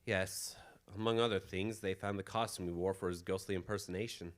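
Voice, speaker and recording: A man playing an earnest, protective gentleman hero in an old-time radio drama style. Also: low voice, fairly even intonation, a little fast, lightly acted. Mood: grave explaining.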